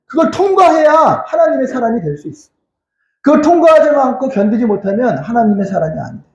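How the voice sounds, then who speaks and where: A man's voice: very high-pitched, big pitch swings, fairly quick, a little mellow. A male pastor preaching a sermon, asking questions and answering them himself, repeating phrases and crying out hallelujah. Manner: cries out hallelujah again and again. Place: church sanctuary. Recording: echoey, dull church hall recording.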